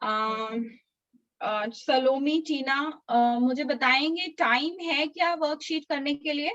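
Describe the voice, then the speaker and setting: Bright high-voiced woman teaching small kids. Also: dry recording, lo-fi sound. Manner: coaxing, slow drilled recitation for small kids. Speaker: Sunday school teacher. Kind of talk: online children's class. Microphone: video call.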